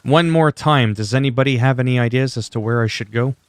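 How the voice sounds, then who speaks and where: Man, French native speaker, gaming streamer, casual opinionated chat, mid-pitched voice, dry close sound. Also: a little fast, clean tone, dry recording. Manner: chatty, opinionated, talks to chat. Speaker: gaming livestreamer. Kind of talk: casual livestream chat while playing.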